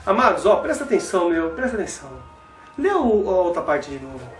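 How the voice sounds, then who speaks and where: Brazilian male commentator, high-pitched, passionate and exclamatory; echoey room, faint music. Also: sing-song, fairly quick. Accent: Brazilian Portuguese. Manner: exclaims, asks rhetorical questions, addresses listeners as brother. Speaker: religious commentator. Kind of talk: impassioned religious commentary.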